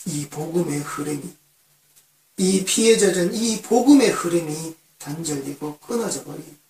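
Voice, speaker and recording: A fervent pastor preaching in a church sanctuary, the voice set back from the microphone and ringing through the room. Each phrase is stacked on the last in a repetitive cadence that climbs toward forceful peaks. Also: medium pitch, lively intonation, measured pace. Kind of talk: impassioned sermon. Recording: roomy, distant from the mic.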